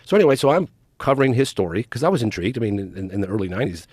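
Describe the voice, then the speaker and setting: Middle-aged male storyteller, lively up-and-down delivery, dry close mic, acts out the voices in his tale. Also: lowish voice, rapid-fire, husky, no room sound. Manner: animated, acts out quoted dialogue. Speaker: documentary filmmaker guest. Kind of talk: casual storytelling in a podcast interview.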